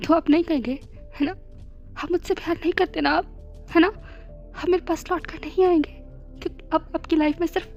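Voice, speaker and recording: A desperate young man in a storybook romance, begging in soft, broken whispers, as a woman reads him. The voice sits fairly high for a man, and faint music plays underneath. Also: steady tone, brisk, long pauses. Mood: hurt. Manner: pleading, whispering and sobbing. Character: young man, anxious, clinging, tearful lover. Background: faint background music.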